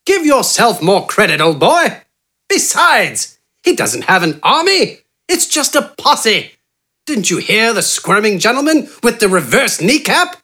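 A narrator voicing an eccentric, pompous male doctor who is manic and jovial and speaks in a grand, excitable way. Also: mid-range voice, a little slow, voice pushed up, exaggerated voice. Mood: jubilant. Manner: pompous, excitable, keeps saying "old boy".

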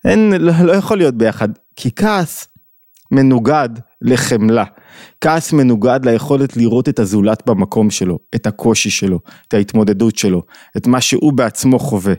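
Clean studio sound with no room noise carries a man's mid-range, darkish voice. He is a lecturer on Jewish thought giving a reflective lesson, asking listeners questions and acting out quoted voices from his examples.

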